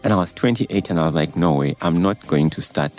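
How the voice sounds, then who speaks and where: A Ugandan man in his forties, a doctor, telling his life story in a relaxed interview with easy laughs. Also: low voice, a little fast, soft background music. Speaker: doctor and guest. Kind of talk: casual interview chat.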